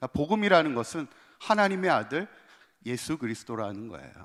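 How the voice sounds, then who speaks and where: Lively intonation marks this man's speech, captured in a dry, close sound with no echo. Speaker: pastor. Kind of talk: sermon. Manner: conversational.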